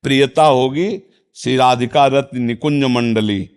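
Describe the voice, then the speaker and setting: A man's voice: mid-range voice, unhurried, clear, resonant tone. A man giving a devotional discourse as a spiritual teacher, answering followers' questions, chanting verses and then explaining them.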